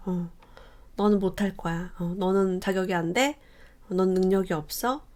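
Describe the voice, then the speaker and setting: A woman in her forties, a self-development YouTuber, giving an earnest, reflective talk to camera with soft laughs and whispered asides. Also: medium pitch.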